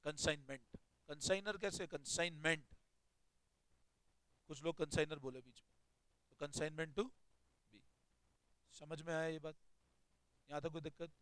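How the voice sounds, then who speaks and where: A man's voice: a little high, fairly even intonation, measured pace, long pauses, a bit bright, smooth, rough recording. A man teaching an accounting class, explaining step by step and questioning his students as he goes. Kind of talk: classroom lecture.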